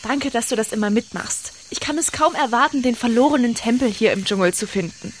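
A woman's voice: a little high, brisk, slight background noise, close to an everyday voice. A woman playing an enthusiastic professor of adventure in a children's audio drama. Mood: eager. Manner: bright, enthusiastic.

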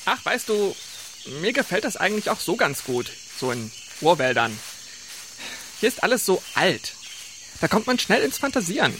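A woman's voice: medium pitch, normal speed, a little hiss or hum. A woman playing an imaginative, playful adventuring captain in a children's audio drama. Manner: lively, playful, storytelling.

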